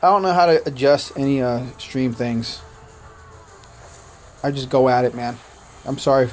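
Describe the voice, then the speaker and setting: A Korean-born man whose first language was Korean chats casually during a strategy game livestream, rambling easily and thanking viewers by name between "uh"s and "man"s. His mid-pitched voice is steady and darkish at a normal speed, with soft music in the background.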